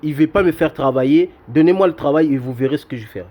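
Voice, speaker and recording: A man's voice: on the high side, fast talker, phone-quality sound. A man with a Congolese French accent hosting an online channel, explaining and translating a speech in a hesitant way. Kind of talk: commentary and translation.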